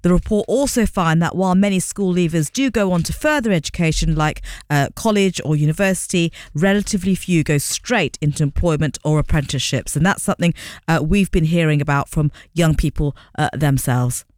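Female radio reporter, measured and explanatory, lower voice, dry booth sound. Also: a little mellow, no room sound.

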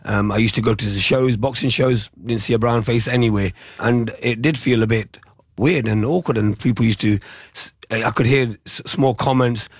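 A middle-aged man, a former boxer recalling his early years in a hesitant, soft-spoken interview. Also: mid-range voice, steady tone, normal speed, breathy edge, dry recording, clean studio sound. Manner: soft-spoken, hesitant, many ums and restarts.

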